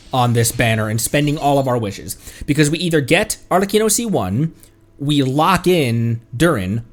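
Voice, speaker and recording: A man chatting casually on a live game stream, thanking viewers and laughing often. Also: medium pitch.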